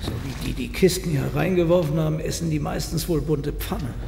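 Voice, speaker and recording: An actor playing a sarcastic, reluctant sidekick in a horror audio drama, grumbling wryly. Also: male voice, a little high, brisk, creaky. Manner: wry, grumbling. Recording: echoey room with loud background noise.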